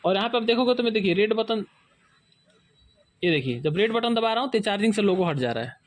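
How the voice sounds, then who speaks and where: A man's voice: high-pitched, very animated, fast talker. A man from India explaining a phone repair step by step at his workbench, often pointing out what to look at carefully. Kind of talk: hands-on repair tutorial.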